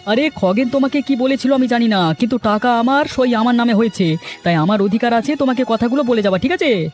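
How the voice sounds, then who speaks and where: A man's voice: extremely high pitch, a little fast, faint music behind. A man voicing a greedy, scheming cartoon land broker, pushy and threatening. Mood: threatening, bullying. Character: scheming, greedy male land broker who bullies villagers. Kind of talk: dramatic cartoon voice acting.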